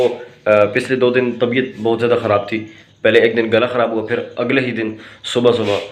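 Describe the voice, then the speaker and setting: Speaking to the camera with a sore throat that leaves him hoarse, a Pakistani vlogger chats casually and rambles, stopping on fillers and starting sentences over. His fairly low voice comes with a faint background hiss.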